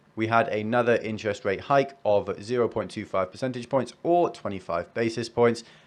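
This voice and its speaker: Speaking with a British accent and a medium pitch, a man keeps a moderate pace with hardly any pauses and ordinary pitch variation over a quiet background. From UK. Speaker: finance YouTuber. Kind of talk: market commentary monologue.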